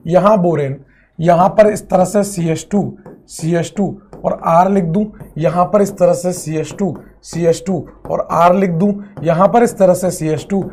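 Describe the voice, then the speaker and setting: High-voiced man teaching chemistry. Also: fairly even intonation, measured pace, a little mellow. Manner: repeats phrases, drills students, calls them friend. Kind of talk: classroom lecture at a board.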